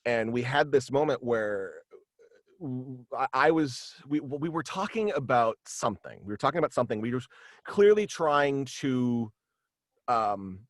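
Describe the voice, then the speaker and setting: A man talking casually as an interview guest on a video call, halting and animated in manner. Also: medium pitch, dry recording, studio quality. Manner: halting and animated, slipping into quoted dialogue. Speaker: guest, voice actor and author. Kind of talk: casual interview chat about own radio play. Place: indoors at home, on a video call.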